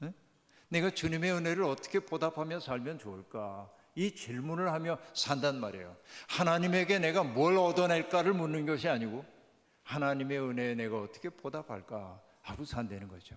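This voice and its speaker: With lively intonation and a fairly high pitch, a man talks at a moderate pace in an ordinary speaking voice. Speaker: pastor. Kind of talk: sermon. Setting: church revival meeting with congregation.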